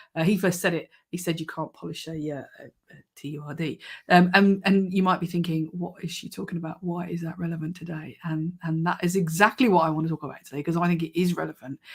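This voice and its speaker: Somewhat breathy and very fast, the speech has hardly any pauses, fairly even intonation and big swings in loudness. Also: woman, fairly low pitch for a woman. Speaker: leadership coach. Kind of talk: vlog monologue. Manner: halting.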